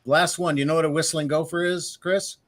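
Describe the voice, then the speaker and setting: A man's voice: on the high side, fairly even intonation, a little fast. A man hosting a live question-and-answer show, talking casually and telling jokes in a folksy way with plenty of fillers. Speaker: host.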